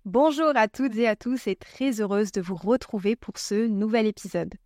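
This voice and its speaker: A woman hosting a podcast, asking her guest questions in a polite, measured way. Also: mid-range voice, a little mellow, no echo, studio quality. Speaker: podcast host. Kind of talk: interview hosting.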